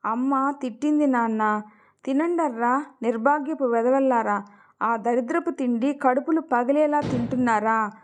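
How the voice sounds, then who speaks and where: Hushed timid young daughter, read by a woman. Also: high voice, moderate pace, close to an everyday voice. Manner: hushed, secretive. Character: young timid daughter, telling secrets quietly.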